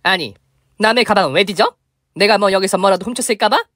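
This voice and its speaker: A voice actor playing a vain, stingy woman in her late forties who is shrill and indignant, in a storytelling video. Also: quick pace, fairly bright tone, no echo, clean studio sound, close to an everyday voice.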